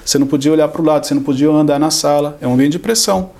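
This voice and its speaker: A man's voice: fairly high pitch, very fast, creaky, warm tone. A Brazilian man on a podcast, teaching in a conversational way, explaining with everyday examples and acting out quotes. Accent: Brazilian Portuguese. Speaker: podcast guest.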